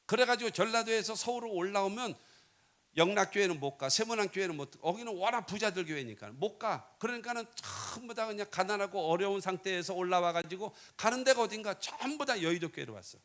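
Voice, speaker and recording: High-voiced folksy Korean pastor preaching. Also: male voice, brisk. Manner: folksy, joking, swings between loud and quiet. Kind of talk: revival sermon.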